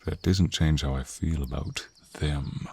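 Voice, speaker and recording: A man voicing a gruff, protective white dragon brother in an ASMR roleplay, talking bluntly. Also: rumbling low, unhurried, dark tone, slight background noise, pitched below the performer's own voice. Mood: protective, bitter.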